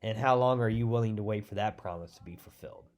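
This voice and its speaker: A middle-aged man, a pastor, giving an informal sermon teaser in a congested voice, with a halting delivery full of restarts and ums. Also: lowish voice, darkish tone.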